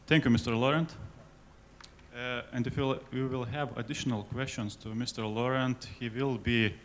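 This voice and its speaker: A man moderating a conference session, polite and slightly halting. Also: mid-range voice, steady tone, a bit bright, slight background noise. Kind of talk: formal moderating. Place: conference hall.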